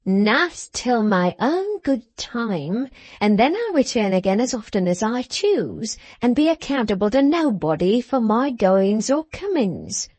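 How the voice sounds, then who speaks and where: A woman performs a wicked dwarf husband from a classic storybook. He is mocking and menacing, savouring his words in a slow, emphatic drawl. The sound is dry, with little room around it. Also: medium pitch, very animated, darkish tone, dry recording. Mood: threatening, roaring.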